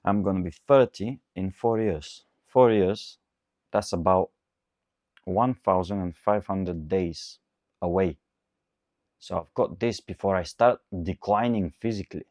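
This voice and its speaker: Young coach guy in his 20s, low voice, repeats himself for emphasis, dry sound. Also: measured pace, darkish tone, no echo. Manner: earnest, repetitive, emphatic. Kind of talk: motivational monologue.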